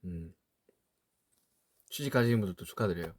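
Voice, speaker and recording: A man around thirty chatting casually to viewers on a livestream, musing aloud and trailing off with soft laughs. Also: low-pitched, expressive, a little fast, slightly rough, no echo. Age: 30s. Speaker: livestream host reading chat.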